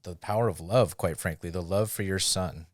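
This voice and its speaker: A man co-hosting a podcast, making thoughtful, measured remarks. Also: deep voice, no echo, clean studio sound. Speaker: podcast co-host. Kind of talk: conversational commentary.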